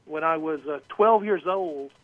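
Male radio guest, from Georgia, phone-line sound, slightly high, halting casual storytelling. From Georgia, United States.

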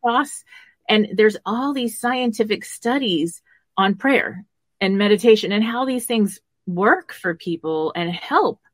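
A woman's voice: mid-range voice, animated, unhurried, dry recording. A woman hosting a talk show, speaking earnestly and encouragingly, often repeating words as she goes. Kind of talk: conversational interview hosting.

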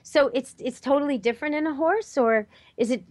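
A woman's voice: sits high, fairly quick, darkish tone, no room sound. Eager woman host, dry close studio sound. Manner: eager, clarifying, interrupts to ask questions. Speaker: radio show host. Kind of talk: casual radio interview.

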